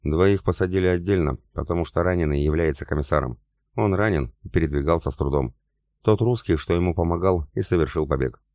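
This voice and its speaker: A man's voice: deep voice, brisk, a little mellow, no room sound, clean studio sound. Man reading as a shrewd veteran sergeant. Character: shrewd seasoned German sergeant, older man.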